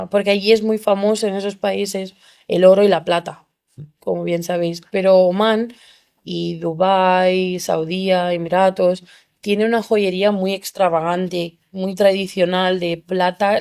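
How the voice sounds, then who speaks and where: A young woman from Spain, a podcast guest, telling her story in an animated way and acting out the people she quotes. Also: medium pitch, vocal fry. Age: young adult. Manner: animated, acts out quoted voices. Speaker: interview guest.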